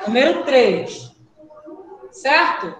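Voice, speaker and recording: A woman with a Brazilian Portuguese accent teaching a primary class online, brisk and questioning, calling pupils by name. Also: high voice, big pitch swings, fairly bright tone, reverberant, slight background noise, low-quality recording.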